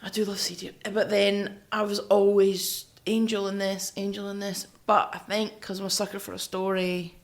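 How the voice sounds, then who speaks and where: A woman's voice: mid-range voice, flat delivery, normal speed, hardly any pauses. A woman co-hosting a music podcast, chatting casually about albums and favourite tracks.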